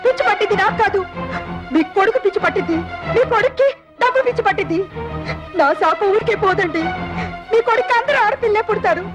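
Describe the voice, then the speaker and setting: A cursing, heartbroken wife, very high-pitched, melodrama. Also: female voice, expressive, fast talker, music in the background. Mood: bitter. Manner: anguished, wailing. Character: wronged wife cursing her husband. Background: film score.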